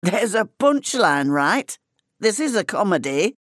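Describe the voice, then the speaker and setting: A woman voicing a tough, shady, grumbling cartoon character with blunt, deadpan comedy. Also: mid-range voice, measured pace, no echo, studio quality.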